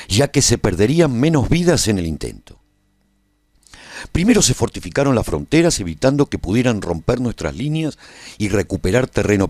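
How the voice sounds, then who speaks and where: A man playing a weary resistance fighter who narrates a post-apocalyptic war in a radio serial, in a solemn, deliberate storytelling manner. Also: lowish voice, a little mellow, no echo. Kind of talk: scripted dramatic radio narration.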